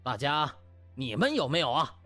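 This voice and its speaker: A man's voice: mid-range voice, very animated, normal speed, sharp tone, soft background music. A man voicing a pompous, self-important male hospital vice director making officious speeches. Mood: pompous, rallying.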